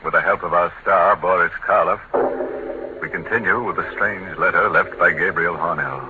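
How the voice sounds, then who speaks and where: Male 1940s horror-show host, deep and darkly playful, thin phone-like hissy sound. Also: steady tone, moderate pace. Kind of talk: theatrical radio introduction. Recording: tinny hissy 1940s radio broadcast.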